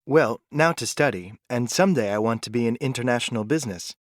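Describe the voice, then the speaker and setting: A man's voice: mid-range voice, lively intonation, quick pace, no echo, studio quality, close to an everyday voice. A man playing a student whose first language is Japanese, giving brief, plain answers in class. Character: young male student in class.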